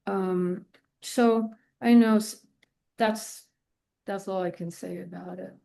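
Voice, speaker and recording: A woman's voice: medium pitch, steady tone, slow pace, vocal fry, mellow. A woman speaking as a podcast guest in a casual interview, in loose, informal phrases dotted with "you know". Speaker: podcast guest, illustrator and art professor.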